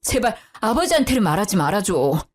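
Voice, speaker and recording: A woman's voice: mid-range voice, big pitch swings, brisk, faint music behind. A woman voicing a guilty grown man who begs his wife for forgiveness. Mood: pleading. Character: pleading grown son, a guilty husband.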